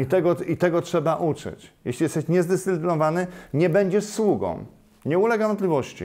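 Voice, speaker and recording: A man talks at a fairly quick pace in a high voice with a dark, mellow tone. His pitch varies in an ordinary way, his loudness stays very even, and the background is quiet. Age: old. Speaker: preacher. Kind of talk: sermon. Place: church. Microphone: podium.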